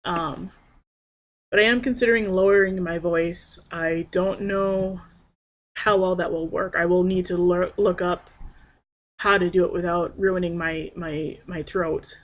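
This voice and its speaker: A young trans man rambling in a personal video diary, hesitant and soft-spoken with frequent pauses and restarts. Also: sits high, steady tone. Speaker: vlogger.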